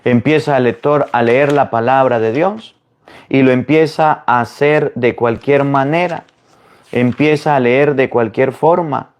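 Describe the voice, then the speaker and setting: A man, a Catholic priest, preaching to viewers in an animated way, firing rhetorical questions. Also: mid-range voice, unhurried.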